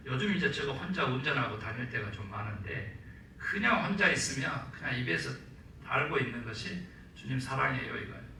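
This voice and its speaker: Animated Korean pastor in an echoey church. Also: male voice, mid-range voice, a little hiss or hum. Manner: animated, acts out quotes and calls for amens. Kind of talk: sermon. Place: church sanctuary. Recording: very echoey church, mic at a distance.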